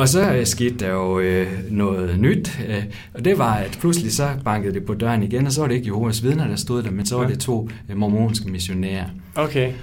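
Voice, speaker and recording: Over noticeable background noise and audible room echo, a man talks with lively intonation at a fairly low pitch. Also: moderate pace. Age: 30s. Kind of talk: personal faith testimony interview. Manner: hesitant, many fillers.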